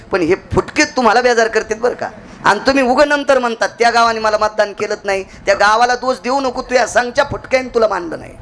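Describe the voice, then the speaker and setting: A man's voice: sits high, a little hiss or hum. A man preaching a devotional kirtan, with folksy humor, calling on listeners by name. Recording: live with loud instrumental music.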